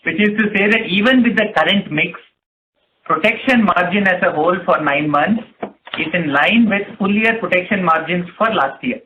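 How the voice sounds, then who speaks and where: A man giving measured, explanatory answers as a company executive on an earnings call. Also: sits high. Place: conference call. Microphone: telephone. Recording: tinny phone line with noise and clicks.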